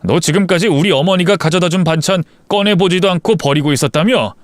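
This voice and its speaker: A man narrating a family story in first person, calm in narration and harsh and scornful when confronting. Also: sits high, a little fast, dry recording.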